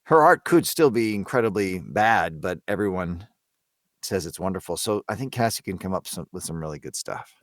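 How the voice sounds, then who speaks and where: A man's voice: sits low, expressive, moderate pace, a bit bright, dry recording, clean studio sound. A man talking casually and thoughtfully as a podcast panelist, feeling his way through his phrases. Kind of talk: casual group discussion of a story.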